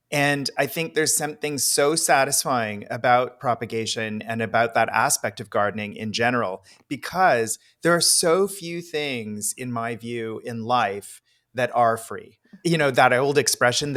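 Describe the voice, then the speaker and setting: A man co-hosting a podcast interview, speaking in a measured, reflective way. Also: mid-range voice, a bit bright. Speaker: podcast co-host.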